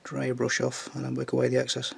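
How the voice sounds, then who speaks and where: A Northern English man with a husky, strained voice, recovering from tonsillitis, chatting casually as he paints a scale model. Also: medium pitch, completely flat delivery, quick pace. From Northern England. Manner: chatty, jokey asides while working.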